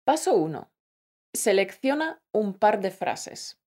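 A woman co-hosts a scripted language lesson. She talks to the listener in a playful, affectionate way, at a middling pitch. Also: big pitch swings, slow pace, darkish tone. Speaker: podcast co-host, Spanish teacher. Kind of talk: scripted teaching podcast.

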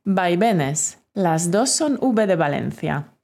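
Slow, lively-voiced woman teacher dictating. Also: lowish voice. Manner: clear, deliberate dictation. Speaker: Spanish teacher. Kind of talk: spelling dictation lesson.

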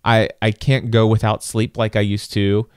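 A man's voice: lowish voice, level tone, normal speed, clean tone, no room sound, clean studio sound. A man in his forties co-hosting a podcast as a casual chat, joking and poking fun at himself. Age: 40s. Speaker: podcast co-host. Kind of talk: casual married-couple chat.

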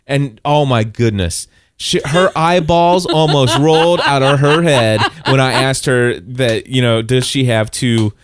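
Male host, casual storyteller, animated, dry studio sound. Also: medium pitch, a little slow, dry recording. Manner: animated, quotes others in raised voice.

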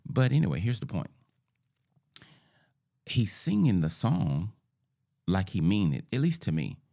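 A man's voice: fairly low pitch, sing-song, unhurried, creaky, mellow. A man hosting a podcast in a groggy morning voice, rambling informally to his listeners in a casual monologue. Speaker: podcast host.

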